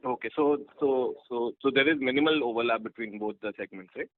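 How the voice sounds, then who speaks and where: A man's voice: medium pitch, a little fast. Analyst guy phoning in with questions, hesitant, mid voice, muffled dry line. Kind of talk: question on earnings call.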